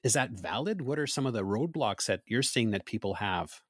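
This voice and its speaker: A man's voice: on the low side, lively intonation, normal speed, breathy edge, dry recording, clean studio sound. A man, from Montreal, hosting an interview in a chatty, anecdotal way. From Montreal, Canada. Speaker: interview host. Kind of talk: conversational interview.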